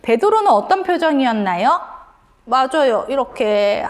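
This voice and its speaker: A woman gives a sermon to young children in a high voice. Her pitch leaps up and down in a sing-song way, and she keeps asking the children questions. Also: very animated, normal speed. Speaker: children's minister.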